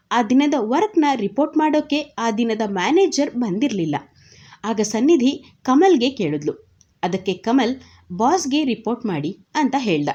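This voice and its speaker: Female narrator for a serialized drama novel, steady and dramatic, warm low-fi sound. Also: lo-fi sound. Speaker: storyteller.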